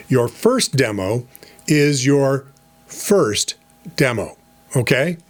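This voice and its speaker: A middle-aged man giving a relaxed, conversational lesson as a voice over coach, with fillers and asides. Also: mid-range voice. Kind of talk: casual instructional talk.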